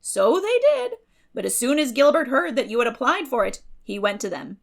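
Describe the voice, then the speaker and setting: A woman's voice: a little high, sing-song, moderate pace, gravelly, voice pushed up, heavily acted. A woman voicing a stout, opinionated older village woman in an audiobook drama, blunt, folksy and emphatic. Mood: gossipy, brisk. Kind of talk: dramatic audiobook reading of a classic novel.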